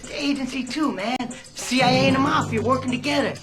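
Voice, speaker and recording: An actor playing a paranoid, disgraced middle-aged former priest and spy, profane and rambling, in film audio with music. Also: male voice, very high voice, brisk. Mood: nervous. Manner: profane, rambling, panicky outbursts. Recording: film audio with loud score.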